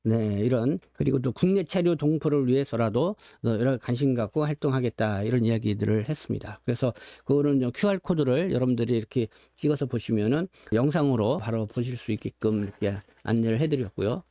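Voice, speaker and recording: A man's voice: mid-range voice, brisk, hardly any pauses, warm tone, dry recording. A man presenting his newspaper's contents in an informal, explanatory way, talking directly to viewers in a discursive spoken rundown.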